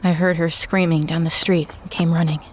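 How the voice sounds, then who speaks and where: A woman's voice: deep voice, little pitch movement, a little fast, heavy background noise, close to an everyday voice. A woman playing a weary, regretful former small-town journalist, narrating a first-person horror audio drama in a somber, reflective way. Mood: grim. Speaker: narrator and protagonist. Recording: music bed under voice.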